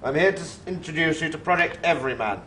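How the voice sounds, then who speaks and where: A man's voice: a little high, animated, fast, bright, forceful tone, slight background noise. An actor playing an earnest male government official in a 1950s-style B movie, speaking frankly and in a preachy, speech-giving way. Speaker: government representative.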